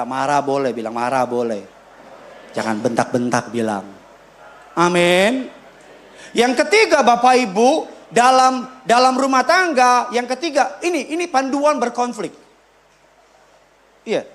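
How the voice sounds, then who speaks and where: A male pastor preaching a sermon in a church, repeating his points with emphasis and swinging between loud punches and quiet asides. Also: high voice. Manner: emphatic, repeats key lines for the congregation.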